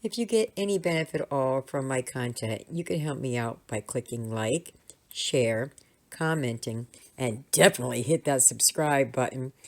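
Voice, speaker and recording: Very low-voiced woman's scripted outro. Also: animated, moderate pace, darkish tone. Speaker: channel outro. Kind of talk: scripted call to subscribe.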